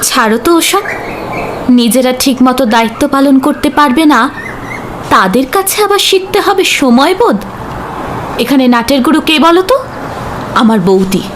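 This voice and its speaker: A woman's voice: high voice, expressive, normal speed, long pauses, a little hiss or hum. Woman playing a sulky, resentful young woman. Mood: bitter. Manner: bitter, complaining.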